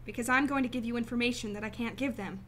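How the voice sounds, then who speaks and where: Female client for audio mystery, played by a woman: firm, formal, guarded, high voice, light background noise. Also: fairly even intonation, fast, natural voice. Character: determined, guarded female client seeking her brother's killer. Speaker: actress in a radio play. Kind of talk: sci-fi radio drama acting.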